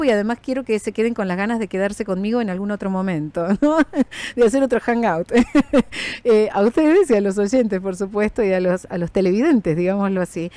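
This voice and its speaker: A woman's voice: medium pitch, warm tone, no echo. A woman hosting a casual online video chat, chatty and hesitant, with many fillers. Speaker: host.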